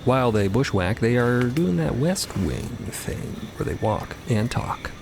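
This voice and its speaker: A man's voice: mid-range voice, expressive, measured pace, creaky, noisy background. A man narrating a fiction podcast in a wry, conversational storytelling style.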